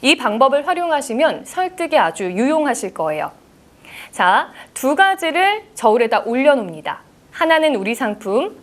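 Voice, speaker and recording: A young adult female announcer delivers a scripted lecture on persuasive selling. Her voice sits high, and her pitch swings widely as she slips into sample customer questions. Her articulation is crisp and practiced. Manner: polished, clearly articulated delivery that acts out sample customer dialogues. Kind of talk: scripted lecture on sales talk.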